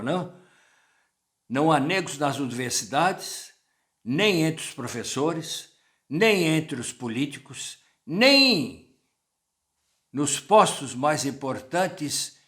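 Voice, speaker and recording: A man's voice: a little high, fairly bright tone. An older man, a journalist, giving a reflective spoken commentary that quotes sources and asks rhetorical questions.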